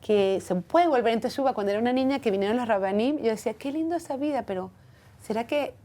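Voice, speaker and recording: A woman's voice: a little high, fast, mellow. A woman speaking earnestly and reflectively as a guest in a personal interview. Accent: foreign accent when speaking Hebrew. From from outside Israel.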